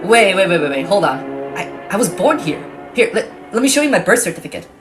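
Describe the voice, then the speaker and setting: A woman's voice: medium pitch, very animated, fairly quick, over music, lightly acted. A woman playing an earnest, pleading Japanese American male game show contestant in a satirical theater piece. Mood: panicked, pleading. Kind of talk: satirical readers theater performance.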